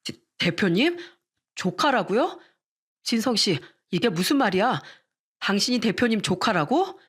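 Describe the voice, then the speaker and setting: A woman's voice: mid-range voice, sing-song, normal speed, fairly bright tone. A woman voicing a flustered young man scolding his mother in a dramatized radio story. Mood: stunned.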